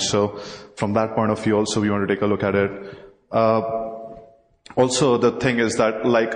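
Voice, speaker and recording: A young man with an Indian accent giving a technical conference talk in a large hall at a podium mic, full of hesitant fillers. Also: lowish voice. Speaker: conference presenter. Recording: echoey hall, faint noise.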